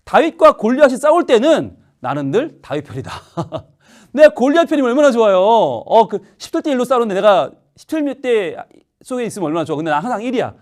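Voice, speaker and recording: With a high voice and a slightly fast delivery, a pastor from Korea leads a lively sermon for children, spinning an animated, playful story and constantly asking his young audience questions.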